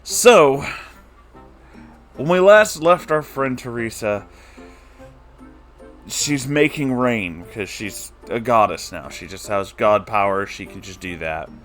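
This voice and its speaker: A man's voice: mid-range voice, lively intonation, slow, pauses often, a bit bright, faint music behind. A man giving a comedic recap of a book chapter, exasperated and incredulous, with laughing asides. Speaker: book reviewer.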